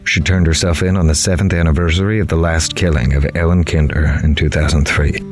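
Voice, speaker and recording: An actor playing a grim, dogged male crime reporter in a horror audio drama, with a measured, grave, dramatic delivery. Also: a bass voice, steady tone, faint music behind. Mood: grim, methodical. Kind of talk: noir-like scripted horror narration.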